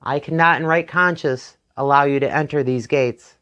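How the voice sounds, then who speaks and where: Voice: medium pitch, fairly even intonation, normal speed, fairly bright tone, clean tone, natural voice. A storyteller doing Saint Peter, solemn and grave. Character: solemn gatekeeper saint judging souls. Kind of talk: oral folktale telling.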